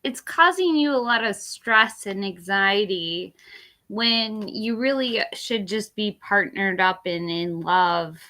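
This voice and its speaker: Slow, bright-voiced tipsy woman reading tarot. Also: medium pitch, expressive. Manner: rambling, laughing, halting with fillers. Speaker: tarot reader and livestream host. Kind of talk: casual livestream tarot reading.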